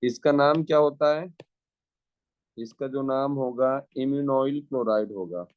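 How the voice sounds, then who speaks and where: A man's voice: mid-range voice, a little slow, clear, resonant tone, dry recording, highs cut off. A man teaching a chemistry lecture who repeats his phrases and asks rhetorical questions as he talks students through each step. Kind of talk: classroom lecture.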